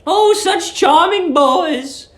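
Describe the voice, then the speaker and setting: A man voicing a sweet, fussy middle-aged English landlady in a storybook reading, eerily kind, with drawn-out, gushing phrases. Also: very high-pitched, animated, roomy sound, voice pushed up, full character voice. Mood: dreamy, delighted. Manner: drawn-out, gushing, cooing delivery.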